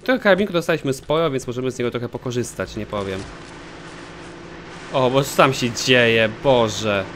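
A man giving excitable let's play commentary, swearing often as he plays. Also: mid-range voice, normal speed, background noise. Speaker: gaming commentator.

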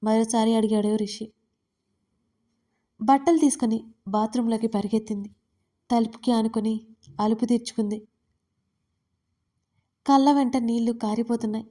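Mellow-voiced woman narrating an audio story. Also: on the high side, steady tone, normal speed, pauses often.

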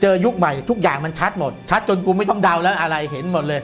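A man's voice: sits high, fast, fairly bright tone, faint music behind. A middle-aged man explaining things in a casual, colloquial studio chat, repeating phrases for emphasis. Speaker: guest commentator on a horror show. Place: indoor studio, seated at a desk.

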